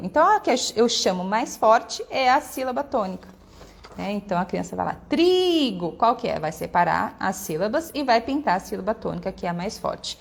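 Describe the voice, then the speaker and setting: A woman's voice: mid-range voice, creaky. Woman explaining a workbook page by page. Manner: explanatory, frequent "né?" and "tá?" tag questions; models stressed syllables and examples aloud. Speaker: homeschool material presenter. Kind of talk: walkthrough of a workbook.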